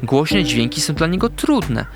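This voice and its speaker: A man voicing a wise, calm female owl who speaks in a measured, gentle way. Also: fairly high pitch, over music, voice pushed up. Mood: explaining.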